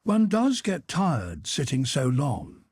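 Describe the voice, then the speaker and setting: A man doing a cold, mocking card sharp, raised and husky. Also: a little high, wildly swooping pitch, slow, dry recording, clean studio sound, voice pushed up, heavily acted. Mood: cool mocking. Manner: cool taunting, clipped.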